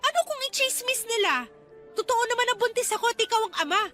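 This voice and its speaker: A hurt, indignant college girlfriend in a radio drama. Her voice is very high and bright, and she confronts with raw emotion. Music plays behind her. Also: lively intonation, fast, heavily acted. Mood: upset, insistent. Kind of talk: Tagalog radio drama acting.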